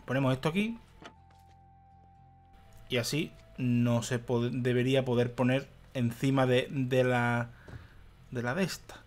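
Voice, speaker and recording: A man's voice: mid-range voice, fairly even intonation, a little slow, long pauses, soft background music. Exasperated man narrating gameplay. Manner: exasperated, swearing and muttering to himself. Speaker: gaming youtuber. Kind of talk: let's play commentary.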